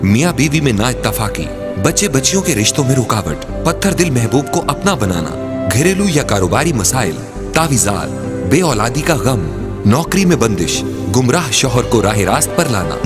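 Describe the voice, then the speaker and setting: Dramatic male ad announcer over loud music. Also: medium pitch, sing-song, moderate pace. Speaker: advertisement announcer. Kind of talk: dramatic scripted advertisement voice-over.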